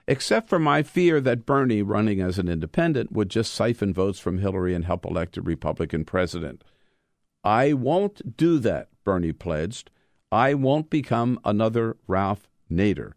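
A man who is an author reading from his own book, mixing measured, emphatic delivery with informal storytelling. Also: on the low side, a little mellow, no echo, studio quality.

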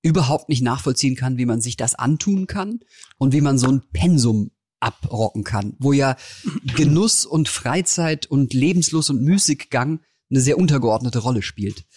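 A man's voice: medium pitch, animated, normal speed, a little mellow, slightly rough, dry recording, studio quality. A man appearing as a podcast guest, chatting casually in a hesitant, playful way. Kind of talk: casual chat.

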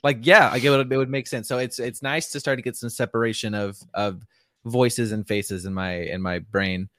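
Low-voiced man, rambling podcast co-host. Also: fairly even intonation, moderate pace, fairly bright tone, dry recording, clean studio sound. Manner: rambling, chatty, lots of "like". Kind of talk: casual podcast chat. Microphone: handheld microphone.

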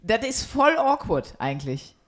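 A woman's voice: a little high, very animated, normal speed. A woman hosting a podcast in casual, jokey chat, using slang and some English words, recorded at home. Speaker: podcast host.

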